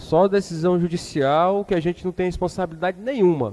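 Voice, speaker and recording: The speaker is a man. His pitch is high. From Porto Velho, Rondônia, Brazil; Rondônia, Brazil. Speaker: state legislator chairing a public hearing. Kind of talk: public hearing speech. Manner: halting. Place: hall. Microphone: podium.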